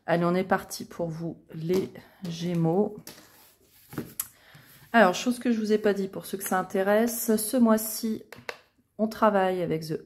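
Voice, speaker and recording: A woman's voice: medium pitch, a little slow, pauses often, a little hiss or hum. A woman hosting a casual tarot reading, talking to her viewers in a chatty way with many small fillers. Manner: chatty, many fillers like euh and hein, soft asides. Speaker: tarot reader, channel host.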